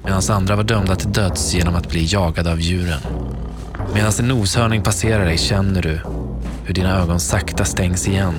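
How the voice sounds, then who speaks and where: Deep-voiced man narrating a dramatic story. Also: fairly even intonation. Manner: slow, hushed dramatic storytelling. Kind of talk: second-person scripted audio story narration. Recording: narration over clear background music. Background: music.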